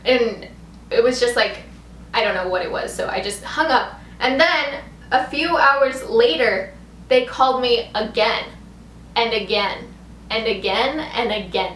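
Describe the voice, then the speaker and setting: A young woman vlogger tells a story in a casual, chatty, rambling way, dropping "like" constantly. Her voice is fairly high and fairly bright, and she speaks slowly. The room is echoey, with background noise.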